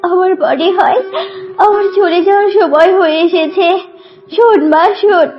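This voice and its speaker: Woman as a high-voiced, caring cartoon mother duck. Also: moderate pace, highs cut off. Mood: weak, grave. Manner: soothing, coaxing, motherly. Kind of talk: children's cartoon voice acting.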